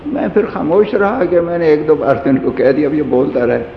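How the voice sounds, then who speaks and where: In an echoey hall with dull lo-fi sound and slight background noise, a man gives a sermon. His voice is a little high and animated as he tells a humorous personal anecdote in a storytelling style.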